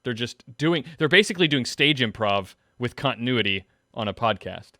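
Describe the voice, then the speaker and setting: A man explaining his view in a casual panel discussion, in a halting way. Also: mid-range voice, lively intonation, sharp tone, dry recording, clean studio sound. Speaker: podcast panelist.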